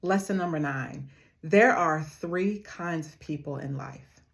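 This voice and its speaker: Low-voiced woman giving earnest motivational talk. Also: vocal fry. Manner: earnest, repeats phrases slowly for emphasis; calls her audience "family". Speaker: motivational speaker.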